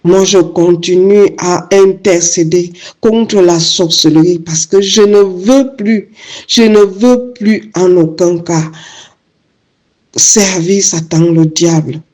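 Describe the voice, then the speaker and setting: Slow, hesitant woman praying aloud. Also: fairly low pitch, darkish tone. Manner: hesitant, many fillers, searching for words. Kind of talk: prayerful personal testimony.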